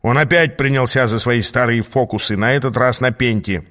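A man doing a gruff, barking demon. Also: mid-range voice, normal speed, a bit bright, natural voice. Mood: bossy. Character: gruff, bossy demon mentor, short-tempered. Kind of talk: audiobook reading.

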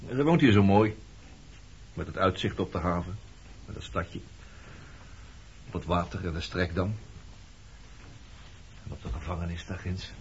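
Radio drama casting: weathered sailor nearing forty, low voice, blunt and probing, on a muffled recording. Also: male voice, a little slow, long pauses. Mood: casual. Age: late 30s. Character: weathered roaming sailor nearing forty, blunt, nosy, nonchalant old flame. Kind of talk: Dutch radio play dialogue. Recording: dull lo-fi radio recording, clear noise.

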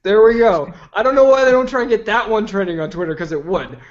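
This podcast guest has a high voice and talks fast, chatting casually but at great length. He's opinionated and full of "like"s, and the lo-fi audio comes across slightly dull.

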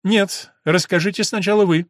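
A man voicing Elena, a sharp, ironic woman who answers with dry skepticism. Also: high voice, fairly even intonation, moderate pace, no echo, pitched above the performer's own voice, natural voice. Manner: wry, skeptical questions.

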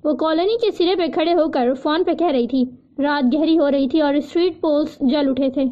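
A woman reads a novel aloud in a steady storytelling manner. Her voice is high, and the recording has a dull, lo-fi sound. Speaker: audiobook narrator. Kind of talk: scripted novel narration.

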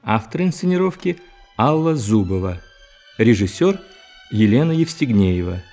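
A man's voice: fairly low pitch, sing-song, moderate pace, a little mellow, faint music behind. A man reading scripted closing credits as the announcer of an audio play.

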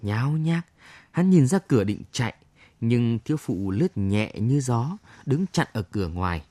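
A man narrates a spooky audiobook tale with a slow, dramatic delivery. His voice is mellow and warm, his pitch rises and falls widely, and the recording is dry and close. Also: big pitch swings, no echo.

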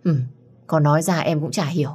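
A woman's voice: low-pitched, fairly even intonation, brisk, a little mellow, breathy edge. A woman voicing a smug, teasing young man. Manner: teasing, dismissive.

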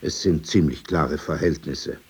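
A man's voice: rumbling low, fairly even intonation, a little slow, gravelly, a little mellow, breathy edge, heavily acted. An actor playing an old, opinionated Jewish man in a radio play, digressing indignantly with rhetorical questions and emphatic asides. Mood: dismissive, chatty. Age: older. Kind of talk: radio play, conversational monologue.

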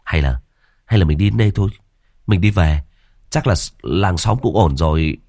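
A man's voice: low voice, moderate pace, a little mellow, dry recording, clean studio sound. A man voicing a frightened young man on night patrol, stammering with fear in a ghost story. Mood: scared.

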